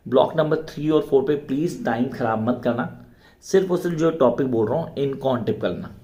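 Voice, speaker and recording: Male tutor, mid-pitched, repeats key terms slowly, echoey room. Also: a little mellow. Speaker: teacher. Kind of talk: exam preparation lecture.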